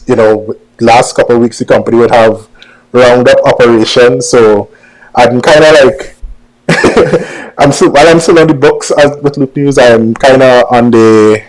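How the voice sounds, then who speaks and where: A man's voice: mid-range voice, steady tone, unhurried, low-quality recording. A man with a Trinidadian accent answering interview questions casually, choosing his words with some hesitation. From Trinidad and Tobago. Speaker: interview guest, journalist.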